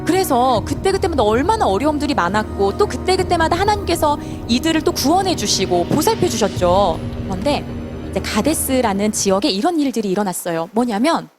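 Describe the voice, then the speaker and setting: A woman's voice: high-pitched, big pitch swings, brisk, music in the background. A Sunday school teacher, a woman, telling a Bible story to children and asking them questions as she goes. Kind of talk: children's sermon.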